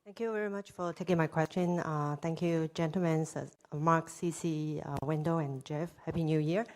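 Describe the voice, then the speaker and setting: Polite low-pitched woman analyst. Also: steady tone, normal speed, darkish tone. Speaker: financial analyst asking questions. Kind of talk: earnings call question.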